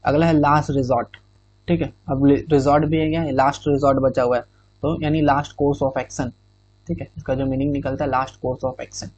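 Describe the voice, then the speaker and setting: A man's voice: medium pitch, level tone, moderate pace, a little mellow, slightly rough, dry recording. A male exam-prep teacher explaining idioms in Hindi with English phrases, often checking in with "theek hai". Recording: dull, muffled recording.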